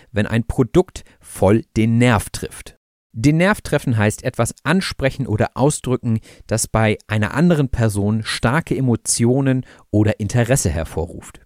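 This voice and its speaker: A man hosting a language podcast, calmly and clearly explaining the meaning of words to learners. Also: lowish voice, no room sound, studio quality. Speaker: podcast host and language teacher.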